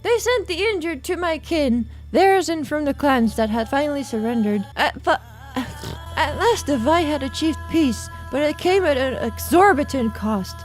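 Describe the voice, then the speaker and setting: A woman as a courteous, gentle high-voiced lady healer. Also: animated, soft background music, low-quality recording. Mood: solemn. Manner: polite, formal, measured.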